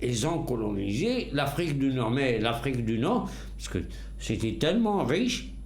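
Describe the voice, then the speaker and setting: An older man with a Kabyle Berber mother tongue, speaking slowly and emphatically in an interview. His voice rises and falls in lively swings at a middle pitch. The room around him sounds echoey. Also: a little hiss or hum. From North Africa. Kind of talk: unscripted conversation.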